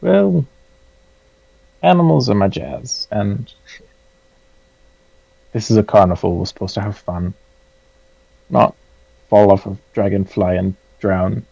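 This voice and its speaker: A man voicing an offhand, animal-loving elf with a put-on British accent, in a gravelly, dark tone. It comes over a dull, lo-fi mic in a dry space, easygoing game-table roleplay. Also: fairly low pitch, slow, pauses often, no echo, exaggerated voice. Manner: casual, offhand. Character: easygoing male elf who loves animals.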